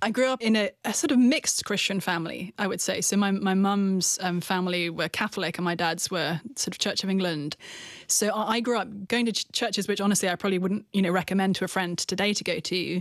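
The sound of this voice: With an English accent, a woman talks at a fairly quick pace, pausing only a little. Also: medium pitch for a woman, ordinary pitch variation.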